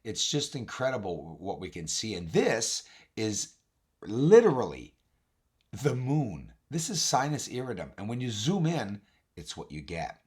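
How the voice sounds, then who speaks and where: Hoarse, raspy man narrating informally. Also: on the low side, big pitch swings, unhurried. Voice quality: raspy, husky. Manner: emphatic, addresses viewers directly as guys. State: hoarse voice, recovering. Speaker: video host, amateur telescope observer. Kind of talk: informal narrated walkthrough of on-screen images.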